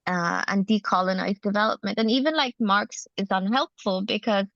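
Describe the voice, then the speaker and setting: Gravelly-voiced woman. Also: mid-range voice, normal speed, a bit bright, dry recording. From Sweden. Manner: thoughtful, many hesitations. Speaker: guest anthropologist. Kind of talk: academic interview answer. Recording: dull muffled sound.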